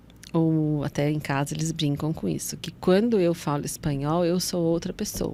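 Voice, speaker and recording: A woman speaks with a very deep, low pitch and a dark, mellow tone. Her pitch varies in an ordinary way, and she hardly pauses at all. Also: moderate pace. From Brazil, Sorocaba (born in Argentina). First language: Spanish (speaking Portuguese). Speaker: HR manager. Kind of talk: podcast interview.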